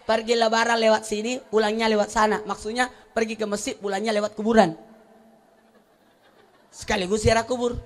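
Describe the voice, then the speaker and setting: A man preaching a sermon, animated and humorous, moving from soft storytelling to loud exclamations. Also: sits high. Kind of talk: sermon at a religious gathering.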